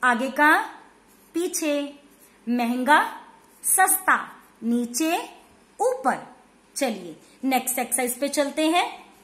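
High-voiced woman teacher, echoey room. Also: a bit bright. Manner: explains slowly, spells words letter by letter, asks and answers her own questions. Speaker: school teacher. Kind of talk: online class lesson. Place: room at home.

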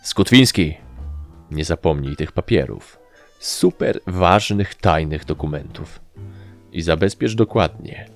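Brief: man doing a red-faced army colonel, roaring and scornful, deep gravelly voice, storybook reading. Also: animated, slow, soft background music, full character voice. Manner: shouting, blustering, mocking. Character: furious bellowing middle-aged male army colonel.

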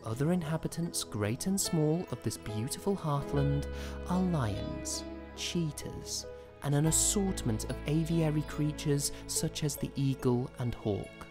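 A man's voice: a little high, lively intonation, unhurried, music in the background. A young man reading scripted voice-over in the manner of an advert or documentary. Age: young adult. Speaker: voice actor.

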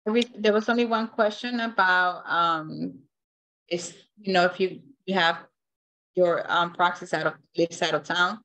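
A woman with a bright, forceful voice relays a question on a video call. She talks hesitantly and pauses often with fillers. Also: fairly low pitch, steady tone, low-quality recording. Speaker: colleague reading chat questions.

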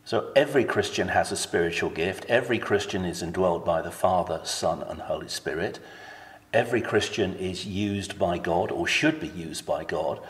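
A man's voice: low-pitched, reverberant, big-room sound. Earnest man quoting scripture on a call. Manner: earnest, quotes scripture at length. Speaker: caller questioning a church. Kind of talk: recorded phone call debate.

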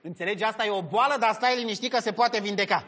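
A man's voice: high voice, a bit bright, big-room sound. A man playing a speech therapist in a comedy sketch, exasperated and over-articulating every sound.

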